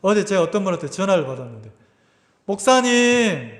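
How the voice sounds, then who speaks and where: A male pastor preaching a sermon, animated, often asking the congregation questions. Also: sits high, normal speed. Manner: animated, asks the congregation questions, acts out quotes. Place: church sanctuary. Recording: reverberant church hall.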